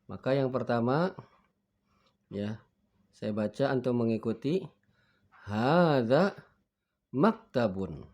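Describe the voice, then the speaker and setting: A man leads a beginner language lesson at an unhurried, deliberate pace. He reads each word twice so learners can repeat it, and acts out forgetting a word and finding it again. His voice sits at an everyday middle pitch. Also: mellow. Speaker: Arabic teacher.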